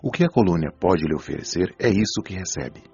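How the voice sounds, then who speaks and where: An actor with a Brazilian accent playing a wise, patient spirit doctor who counsels souls in a measured, admonishing way in an audio drama. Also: male voice, low-pitched, animated, creaky, breathy edge, full character voice. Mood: patient, firm. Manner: didactic, measured, gently admonishing. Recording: dull lo-fi audio, music behind.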